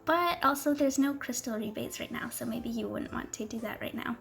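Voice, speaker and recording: High-voiced, gushing young woman gamer. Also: a little fast, gravelly, a bit bright. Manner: chatty and giggly, gushing over cute characters, many ums. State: losing her voice, coughing. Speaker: gaming video creator. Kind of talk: casual gameplay walkthrough. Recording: faint music underneath.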